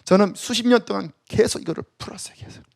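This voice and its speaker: A man pastor preaching a sermon at a church worship service, swinging from loud exhortation to hushed near-whispers and leading the congregation in reading scripture aloud. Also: sits high, fast, gravelly.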